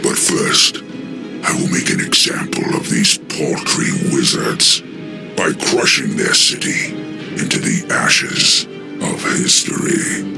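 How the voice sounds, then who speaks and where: An actor playing a colossal, cruel demon lord in a video game cutscene, booming and menacing. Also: male voice, lively intonation, music in the background, full character voice. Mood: contemptuous. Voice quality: deep gravelly booming voice. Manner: slow menacing proclamations. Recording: loud game score behind.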